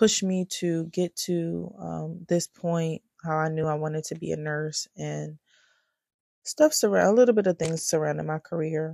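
A woman's dark, mellow tone at a fairly slow pace, with a dry, close sound and no echo. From US, Philadelphia (North Philly). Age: 30s. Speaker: podcast host, self-help. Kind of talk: casual monologue.

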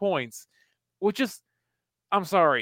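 Fairly slow speech from a man with an American accent, very clean recording with a silent background, and a dry, close sound with no echo. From northern Missouri. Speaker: sports podcast co-host. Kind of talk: casual chat.

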